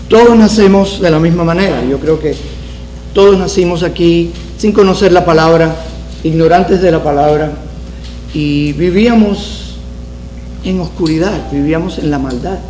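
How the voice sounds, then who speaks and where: A man's voice: a little high, unhurried, long pauses, warm tone, echoey room, low-quality recording. A man from Cuba, teaching a Bible study to a congregation, repeating key phrases and asking them questions. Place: church sanctuary.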